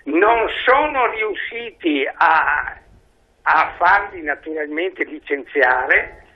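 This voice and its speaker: Guy on the phone calling into a show, tinny line, slow and kinda high for a man. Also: lively intonation. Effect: over the phone. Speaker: caller. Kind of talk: call-in comment on radio talk show.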